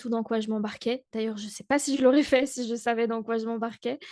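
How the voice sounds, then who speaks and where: An ordinary speaking voice from a woman, fairly high in pitch, with fairly even intonation against a quiet background. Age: 20s. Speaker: entrepreneur making handmade notebooks. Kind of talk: casual podcast chat.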